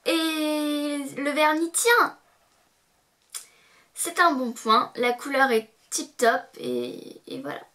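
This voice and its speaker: A young woman reviewing beauty products to camera, bubbly and excitable, breaking into playful sing-song repeats. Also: sits high, slow pace. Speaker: beauty vlogger.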